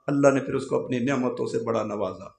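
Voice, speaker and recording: A man's voice: medium pitch, gravelly, darkish tone, reverberant. A male Islamic preacher telling a sermon story in a dramatic, emphatic way, acting out the quoted dialogue.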